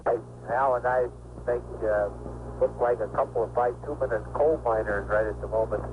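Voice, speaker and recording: A man speaking as an astronaut over crackly space-to-ground radio, in brisk, clipped call-outs. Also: mid-range voice, fairly even intonation, narrow, tinny audio. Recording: noisy archival space radio.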